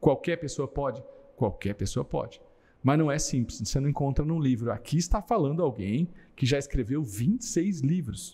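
A man talks at a moderate pace with a fairly high, somewhat breathy voice. His tone is dark and mellow, and his intonation is lively. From São Paulo state, Brazil. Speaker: podcast guest or host. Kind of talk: casual conversational podcast. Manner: animated. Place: studio. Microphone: studio mic.

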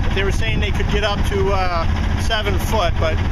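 Loud noise fills the background. A man is speaking. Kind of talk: casual vlog chat. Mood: relaxed, cheerful. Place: boat. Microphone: phone near.

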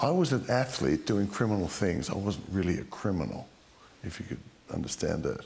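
Someone speaks at a moderate pace with an Australian accent over light background noise. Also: man. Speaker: adventurer recounting his life. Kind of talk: interview. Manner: halting. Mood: reflective, candid storytelling. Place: home room.

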